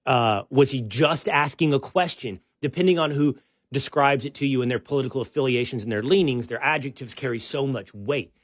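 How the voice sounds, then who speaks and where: A middle-aged man hosting a show, talking in a relaxed, rambling way with lots of restarts and joking asides. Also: medium pitch, brisk, no room sound. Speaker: podcast host. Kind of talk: casual show-opening chat.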